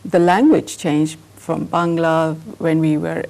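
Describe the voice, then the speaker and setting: A woman artist from Pakistan, a native Urdu speaker, answering interview questions in a reflective, soft-spoken way. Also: deep voice, steady tone, slow pace, gravelly.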